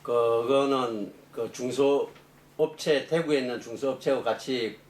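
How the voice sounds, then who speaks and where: A middle-aged man, a professor being interviewed, explaining technical matters off the cuff in a halting way. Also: mid-range voice, steady tone, darkish tone. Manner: halting, explanatory, rephrasing as he goes. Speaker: engineering professor, interview guest. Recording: echoey room, distant mic, faint noise.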